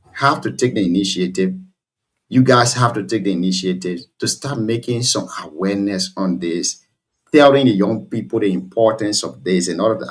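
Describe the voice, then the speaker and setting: A man, a guest on a talk show, speaking emphatically and repeating phrases as if lecturing. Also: lowish voice. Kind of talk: casual talk show discussion.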